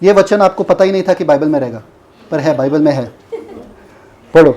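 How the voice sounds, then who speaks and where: A man's voice: a little high, fairly quick, mellow. A man preaching a Bible lesson who keeps asking his listeners questions and repeating their answers. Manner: mocking role-play of a foolish person. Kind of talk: Bible teaching sermon.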